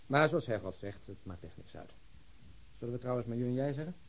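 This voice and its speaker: An actor playing a modest, precise deputy police inspector in a radio drama, formal yet easygoing. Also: male voice, medium pitch, animated, a little fast. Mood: mild, correcting. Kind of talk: naturalistic Dutch radio drama acting.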